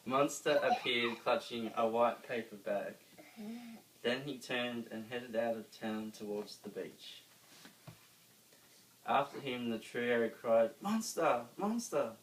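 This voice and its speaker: A man with an Australian accent reads a children's story aloud, dramatically, with emphatic pauses. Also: mid-range voice, fairly even intonation. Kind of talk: expressive children's story reading. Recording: roomy, distant mic, faint noise.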